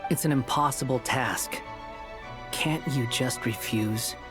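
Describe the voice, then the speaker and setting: Man doing a challenging game companion, mid pitch, faint music under. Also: slow, natural voice. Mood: stern. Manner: blunt, challenging.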